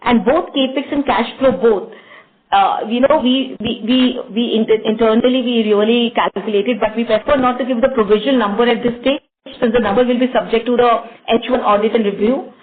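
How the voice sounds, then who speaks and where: A woman's voice: on the high side, fairly even intonation, brisk. A woman with an Indian accent answering questions as a company executive on an earnings call, explaining carefully and repeating words. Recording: tinny phone-line conference call.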